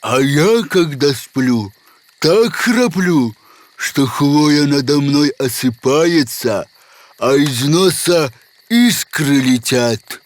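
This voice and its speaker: An actor voicing a hungry, mocking forest spirit in a cartoon, speaking in a gloating, drawn-out way. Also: male voice, fairly high pitch, lively intonation. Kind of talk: cartoon voice acting. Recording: music underneath.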